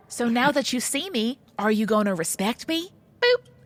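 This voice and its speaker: A female-sounding voice, high in pitch, performs a put-on character voice. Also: moderate pace. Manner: silly, unintimidating.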